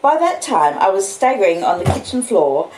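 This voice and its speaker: Reading from a classic novel and chatting casually with her audience, the Australian streamer uses a medium-pitched voice that is very animated and moves at normal speed. The audio carries a roomy echo and clear hiss or background noise.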